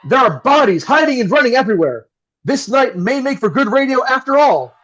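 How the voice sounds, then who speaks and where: Guy playing old-time 60s radio host, super animated and high, dramatic announcer thing, audio play. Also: fairly quick, highs cut off, heavily acted. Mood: excited, alarmed. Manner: theatrical, gushing announcer delivery. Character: flustered, melodramatic 1960s New York radio host, scorned husband.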